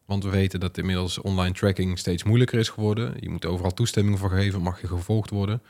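A man's voice: low voice, fairly even intonation, quick pace, darkish tone. A man hosting a podcast, chatting casually about technology. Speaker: podcast host. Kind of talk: casual tech podcast chat.

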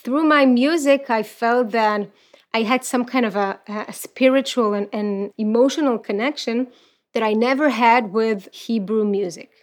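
A woman's voice: fairly high pitch, a little slow. A woman in her thirties from Ukraine, whose first language is Russian, talking earnestly and reflectively about her life as an interview guest and reciting a poem, with frequent restarts. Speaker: guest, activist and poet. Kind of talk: personal interview talk and poetry recital.

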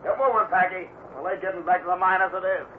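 An actor playing a gruff, bossy cattle rustler in a radio Western, talking in brusque cowboy slang. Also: male voice, high-pitched, fast talker, close to an everyday voice. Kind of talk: 1950s radio Western acting. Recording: noisy, tinny old radio recording.

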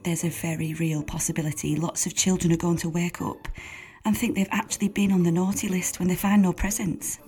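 Woman as low-pitched, sensible adventurer's companion. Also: little pitch movement, fairly quick, mellow, soft background music, lightly acted. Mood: serious, frank. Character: sensible, matter-of-fact young woman companion. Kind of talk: dramatised story reading.

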